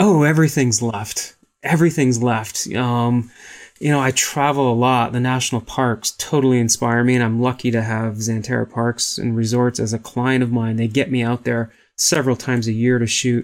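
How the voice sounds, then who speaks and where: On a very clean recording with a silent background, a man speaks at a moderate pace with a medium pitch and fairly even intonation. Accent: Canadian. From Canada, Southern Ontario. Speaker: photographer and graphic designer. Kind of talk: interview. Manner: hesitant, many fillers.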